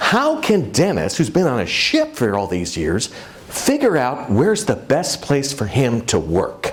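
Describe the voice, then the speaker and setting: A man with a fairly high pitch, an animated tone and very wide pitch swings, at a fairly slow pace, with noticeable background noise. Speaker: motivational keynote speaker. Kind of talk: live keynote speech with storytelling. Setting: conference stage presentation. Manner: animated, engaging storyteller.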